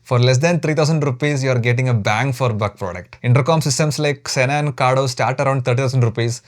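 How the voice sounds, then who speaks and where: Male reviewer, Indian accent, mid-pitched voice, methodical and explanatory delivery. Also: quick pace. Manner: methodical, explanatory, enumerates points. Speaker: product reviewer. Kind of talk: structured review narration to viewers.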